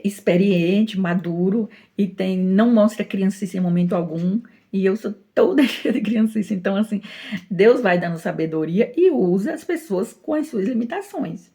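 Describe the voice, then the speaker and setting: A middle-aged Brazilian woman talks through a devotional lesson in a soft, chatty manner and laughs easily as she goes. Her voice has a gravelly fry running under it. The tone sits on the dark, mellow side. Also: medium pitch. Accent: Brazilian Portuguese. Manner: gentle, chatty, tends to laugh while speaking. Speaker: Christian teacher. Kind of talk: informal devotional talk.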